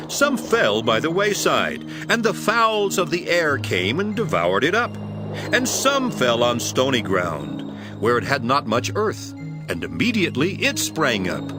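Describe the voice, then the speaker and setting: A man playing a solemn, authoritative male teacher of parables, declaiming deliberately in a dramatized scripture reading. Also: medium pitch, wildly swooping pitch. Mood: proclaiming. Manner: declamatory, deliberate preaching delivery. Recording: prominent music behind the voice. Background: music.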